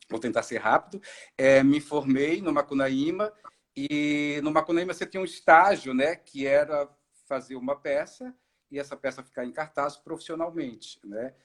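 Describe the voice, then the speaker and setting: A middle-aged man from Ceará, an actor and director, telling his story in a relaxed live-stream interview, with many fillers and restarts. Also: fairly high pitch. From Ceará, Brazil. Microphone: video call.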